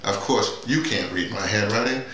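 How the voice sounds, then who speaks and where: A middle-aged man talking casually and off the cuff, halting, repeating words and drifting into digressions. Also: fairly low pitch, sharp tone. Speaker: playwright and audio drama director presenting his writing. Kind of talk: casual off-the-cuff vlog talk. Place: small bare-walled office, indoors. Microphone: camera mic a few feet away. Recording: distant mic, echoey room, noisy background.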